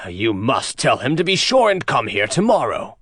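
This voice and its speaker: Man playing a slow, big-hearted storybook giant. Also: mid-range voice, very animated, a bit bright, husky, dry recording, studio quality, voice pushed down. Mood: kindly. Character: gentle giant, male, huge, big-hearted, fiercely protective. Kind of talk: storybook character voice in narrated fairy tale.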